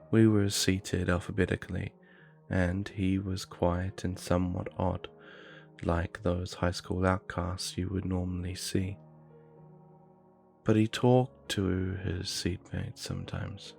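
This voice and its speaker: A man narrating a scripted horror story in a measured, low-key way. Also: gravelly, a little mellow.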